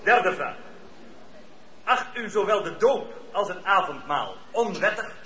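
High, stern presiding judge. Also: male voice, animated, takes it slowly, bright, forceful tone, exaggerated voice. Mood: commanding. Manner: formal, authoritative, clipped. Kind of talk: radio play acting. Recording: dull, echoey radio play recording.

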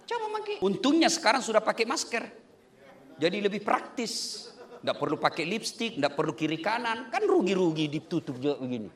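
High, lively, bright-voiced male preacher. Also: fairly quick. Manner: joking, lively delivery with playful asides to the congregation. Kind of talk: humorous sermon on marriage.

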